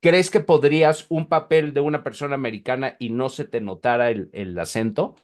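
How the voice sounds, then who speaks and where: A man with a Mexican Spanish accent hosts a relaxed podcast interview. His voice sits at an ordinary mid pitch, and he often stalls and repeats words as he works toward a question. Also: moderate pace. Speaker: podcast host. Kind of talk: casual interview.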